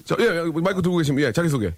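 A man's voice: on the high side, crowd noise. A man hosting a live broadcast, joking and teasing guests in a bantering way. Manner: teasing, joking, fast and animated. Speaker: live show host.

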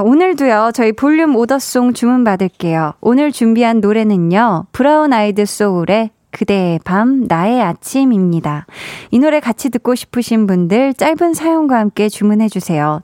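A woman's voice: a little high, animated, normal speed, hardly any pauses, a little mellow, dry recording, studio quality. A woman hosting a late-night radio show, cheerfully reading out listener messages and encouraging them. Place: radio studio. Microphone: studio microphone.

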